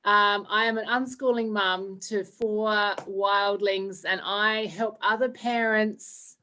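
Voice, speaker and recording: A woman's voice: mid-range voice, steady tone, slow pace, pushed and bright, slight background noise, rough recording. A woman talking in a jokey, playful way over a video call. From Australia. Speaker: improv player. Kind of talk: casual introduction.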